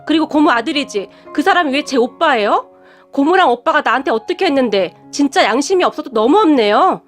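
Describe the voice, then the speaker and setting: Storybook figure: high, sharp-tongued young wife, indignant, read by a woman narrator, faint music under. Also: lively intonation, brisk. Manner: sharp, retorting.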